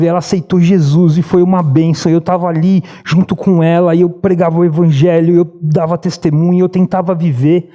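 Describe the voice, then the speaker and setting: A man in his thirties with a Brazilian accent, preaching a sermon in church and telling stories earnestly. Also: mellow. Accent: Brazilian Portuguese. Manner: earnest storytelling preacher, rises in pitch when urging. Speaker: pastor. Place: church sanctuary.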